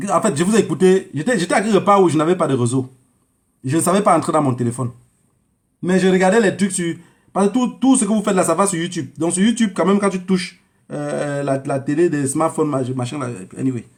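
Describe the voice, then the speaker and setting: Male online commentator, notably high voice, emphatic and repetitive, haranguing his audience in informal monologue. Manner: emphatic, haranguing, repeats phrases for effect.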